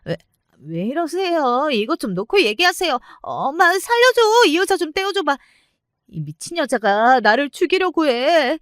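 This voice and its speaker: A woman's voice: high voice, big pitch swings, measured pace, fairly bright tone, dry recording, studio quality, voice pushed up, full character voice. A woman voicing a panicked, indignant young bride-to-be, protesting and pleading shrilly in a story. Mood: panicked, outraged.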